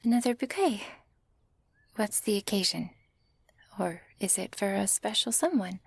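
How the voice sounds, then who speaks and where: A woman's voice: medium pitch, animated, unhurried, no echo. A woman playing a friendly flower shopkeeper in a whispered ASMR roleplay. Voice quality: soft breathy whisper. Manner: friendly, softly welcoming.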